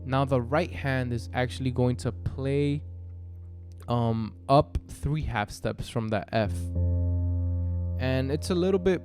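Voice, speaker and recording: A man giving a casual piano lesson, explaining step by step in a halting way with frequent check-ins. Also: medium pitch, a little mellow. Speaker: piano tutor. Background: piano chords played alongside the voice.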